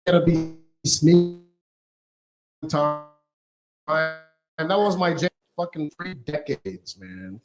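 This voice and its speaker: A man's voice: a little high, slow pace, pauses often, rough recording. A man from Egypt doing a stand-up comedy routine, playful and punchy, sometimes putting on other people's voices. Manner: playful, punchy delivery with put-on voices for hecklers.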